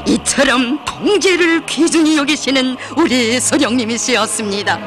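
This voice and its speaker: Narrating a propaganda documentary, a man with a North Korean accent speaks at normal speed in a very high-pitched voice. His delivery is solemn, reverent and emotively declamatory, with music playing behind him.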